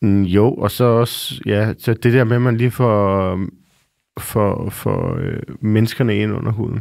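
The speech moves at a very slow pace with fairly even intonation over a quiet background. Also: man, medium pitch for a man. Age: 30s. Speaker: undertaker; podcast guest. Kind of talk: casual chat. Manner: halting. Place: studio. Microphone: studio mic.

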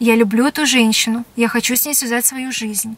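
A high-pitched woman's voice with fairly even intonation in a dry sound with no echo. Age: 20s. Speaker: beauty blogger and salon owner; beauty blogger. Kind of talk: casual vlog monologue. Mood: earnest, slightly indignant. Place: car. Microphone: phone near.

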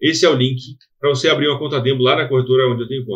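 This is a man with a fairly high pitch. His tone is bright and sharp. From Brazil. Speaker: trading educator. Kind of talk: tutorial. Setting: screen-share video recording. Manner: casual, conversational. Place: home room. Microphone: headset.

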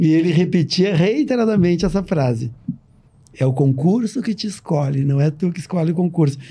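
A man speaks with a high pitch and a dark, mellow tone. His intonation is lively. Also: moderate pace. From Porto Alegre, southern Brazil; Rio Grande do Sul, Brazil. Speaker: state attorney. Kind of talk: casual panel discussion. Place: studio. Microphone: studio mic.

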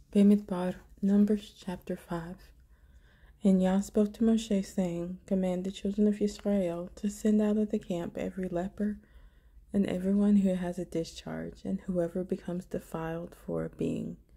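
Somewhat breathy and medium in pitch, a woman speaks at a moderate pace with monotone, flat intonation in a very clean recording with a silent background. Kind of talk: scripture reading.

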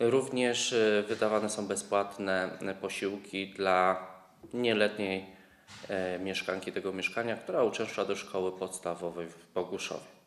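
A woman with a very deep, low pitch, fairly even intonation, and a moderate pace, in a room with audible echo. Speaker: municipal official. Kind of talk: interview. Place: office.

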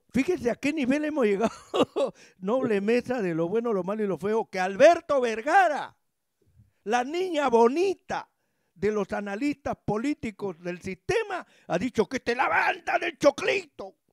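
A man speaks at a fairly slow pace in an extremely high pitch, his animated tone marked by very wide pitch swings, with a quiet background and a dry sound with no echo. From Peru. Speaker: lawyer and political commentator; lawyer, political commentator. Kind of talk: political commentary on radio. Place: home room. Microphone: studio mic.

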